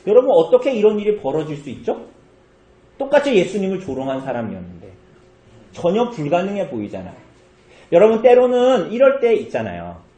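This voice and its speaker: A high, very lively man's voice preaching a sermon, his pitch swinging up and down as he tells the story. He keeps asking the congregation questions, and the sound rings around a roomy church. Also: brisk, dull audio. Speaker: pastor.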